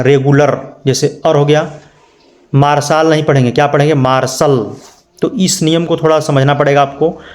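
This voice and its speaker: Guy teaching english pronunciation, kinda high voice, spells stuff out and quizzes the class. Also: a little mellow. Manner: spells words letter by letter and asks the class questions. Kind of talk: spoken lesson.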